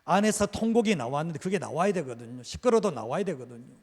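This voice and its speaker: Emphatic pastor preaching in a reverberant church. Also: male voice, on the high side, lively intonation, fast talker, a little mellow. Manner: emphatic, repeated rhetorical questions. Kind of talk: sermon. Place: church sanctuary.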